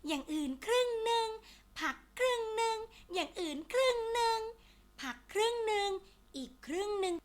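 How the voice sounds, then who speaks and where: A woman's voice: very high voice, lively intonation, normal speed. A woman voicing a kindly, caring butterfly in a children's story, with a sweet, coaxing, slightly plaintive manner. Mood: eager, coaxing. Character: kindly, caring butterfly who cooks healthy food.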